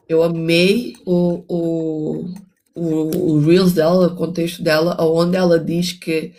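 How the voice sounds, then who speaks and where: An older woman with a fairly low, darkish voice hosts a reflective book discussion, reading and analyzing the text. She muses as she goes, often restarting her sentences and slipping in moralizing asides.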